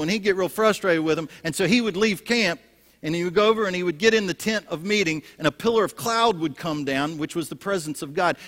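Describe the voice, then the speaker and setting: A male pastor preaching a sermon, telling stories with lively energy and frequent restarts. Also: high-pitched. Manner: storytelling, animated, frequent restarts. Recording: echoey hall.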